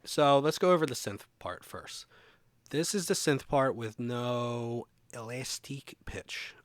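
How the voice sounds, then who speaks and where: A man's voice: mid-range voice, slow. A man presenting a music production tutorial in an informal, conversational way, explaining things step by step.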